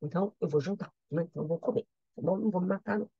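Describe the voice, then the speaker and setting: A woman with a Brazilian accent voicing a lovesick young male poet who talks himself out of despair, soft and resigned. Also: lowish voice, rapid-fire, slightly rough, no echo, dull audio. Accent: Brazilian Portuguese.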